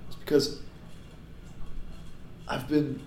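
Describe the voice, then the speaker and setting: Hoarse guy hosting a podcast, voice half gone, gets hyped, roomy echo and a little hiss. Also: very slow. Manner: excitable, bursts into loud whoops. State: hoarse, lost voice. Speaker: podcast host. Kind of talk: casual podcast chat. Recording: echoey room with faint noise.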